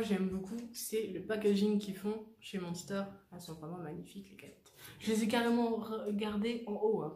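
In an echoey room with a little background noise, a young vlogger rambles through a shopping haul, full of fillers and self-corrections. Her voice is mid-range and warm.

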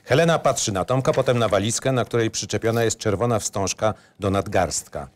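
A man's voice: lowish voice, fairly quick. A man narrating a screenplay in clipped, matter-of-fact phrases.

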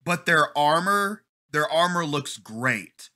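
Male reactor, 30s, very bright forceful voice, slightly high, enthusiastic slang and exclamations. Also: expressive, takes it slowly. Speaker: host of a trailer reaction channel. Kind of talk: casual excited reaction commentary. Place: small bedroom at home. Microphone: desk condenser mic with pop filter.

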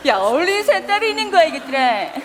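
A woman's voice: very high voice, big pitch swings, fast talker, a crowd in the background. A woman playing a bossy young senior comedienne who scolds and bullies her juniors in a staged comedy sketch. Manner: bossy, scolding, self-pitying. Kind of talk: sketch comedy acting before a live audience. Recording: TV stage with loud audience and noise.

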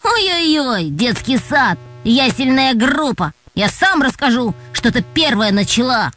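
A woman's voice: high-pitched, very animated, unhurried, fairly bright tone, soft background music, full character voice. A woman voicing a cheeky schoolboy in a children's audio tale, sarcastic and mocking. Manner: teasing and sarcastic. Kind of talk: audiobook character voice.

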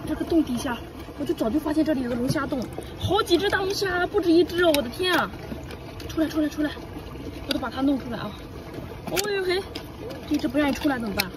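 A woman vlogging as she forages on a rocky seashore, giving excited live commentary full of delighted cries. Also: very high-pitched, background noise. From Shandong, China. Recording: distant mic with loud outdoor ambience.

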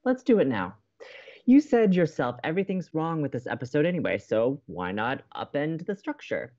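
A man's voice: fairly high pitch, big pitch swings, normal speed, a little mellow, highs cut off. An actor playing a playful, mischievous young male college radio co-host, bantering in an audio drama. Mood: challenging, breezy. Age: young adult. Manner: teasing, mischievous.

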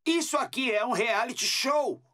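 A man playing an eager, naive young helicopter robot in a cartoon dub, excitable and pleading. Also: very high-pitched, normal speed. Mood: pleading, nervous. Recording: music behind voice.

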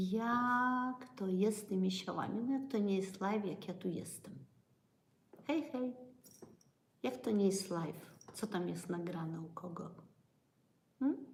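A woman's voice: mid-range voice, darkish tone, reverberant. A woman hosting a casual livestream on her phone, chatting with viewers and asking them questions as she talks about health. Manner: chatty, asks the audience questions. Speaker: livestream host, acupuncture educator. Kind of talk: casual live-stream talk to viewers.

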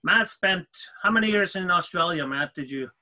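A man's voice: sits high, animated, moderate pace, sharp tone. A man from Sweden, a forestry professor, telling about his career in a casual panel talk.

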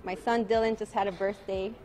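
A woman in her forties, an attorney, answering reporters' questions at a night press conference outdoors. She sounds tired and talks calmly, repeating each question before she answers. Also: mid-range voice, fairly quick, slight background noise, low-quality recording. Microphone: bank of press microphones.

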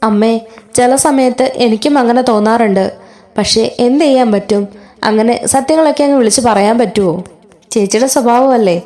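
A hurt young woman pleading her case, read by a woman narrator. The voice is a touch high and mellow, close to the reader's everyday voice. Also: natural voice. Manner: earnest, pleading.

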